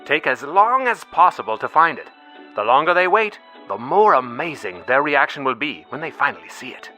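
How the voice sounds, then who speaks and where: Lively male voice-over artist over music. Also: on the high side, normal speed. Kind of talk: scripted voice-over demo reads: commercial, explainer, narration. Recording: music bed behind the voice.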